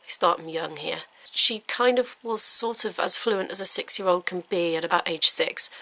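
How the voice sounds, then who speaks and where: A woman's voice: medium pitch, bright, forceful tone, rough recording. A middle-aged woman vlogging at home, chatting casually and wryly about her own bits and pieces as she sorts through them. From living in Wales. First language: English. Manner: chatty, self-mocking, breaks into little sung notes. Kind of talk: casual vlog chat while decluttering.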